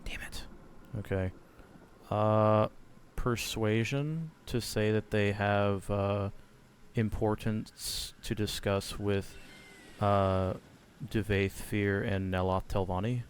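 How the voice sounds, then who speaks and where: Hesitant low-voiced male player. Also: steady tone, takes it slowly, a little hiss or hum. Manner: hesitant, many fillers. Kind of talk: tabletop role-play, in and out of character.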